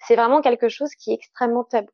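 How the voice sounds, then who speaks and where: A woman in a fairly high voice. She explains her points emphatically, in the conversational way of a podcast guest. The sound is close and dry, slightly muffled and lo-fi. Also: fairly even intonation, quick pace, no room sound. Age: 30s. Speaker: interviewed guest, clinical sexologist.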